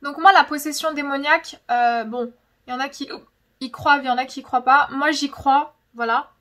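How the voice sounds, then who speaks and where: A young francophone woman of Algerian descent hosts a YouTube storytelling vlog, chatting casually yet dramatically and emphatically, often repeating words for effect. Her voice is high-pitched and fairly bright, with fairly even intonation at a normal speed.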